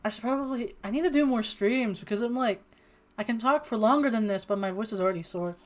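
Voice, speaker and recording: Expressive, playfully dramatic woman streamer. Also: a little high, quick pace. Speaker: streamer playing a dating sim. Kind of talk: livestream chat and game read-aloud.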